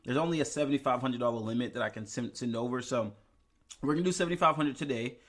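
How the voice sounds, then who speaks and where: A man's voice: mid-range voice, quick pace. A young man chatting casually in an investing vlog, tired from little sleep and talking in a rambling way with many restarts. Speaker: finance YouTuber.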